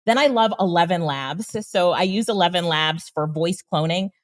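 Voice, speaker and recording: A woman's voice: lowish voice, normal speed, dry recording. A woman guest on an interview show, explaining tools with enthusiasm and frequent laughs. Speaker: guest, AI trainer and consultant. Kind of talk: casual interview talk.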